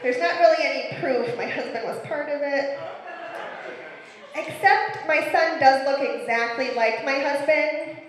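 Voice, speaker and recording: A woman in her thirties delivers a stand-up set into a handheld mic, telling her stories in a dry, self-mocking way. Her voice sits high. The club room rings with heavy echo and a long reverb tail. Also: measured pace. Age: 30s. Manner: deadpan, self-mocking storytelling. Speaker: stand-up comedian. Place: comedy club stage.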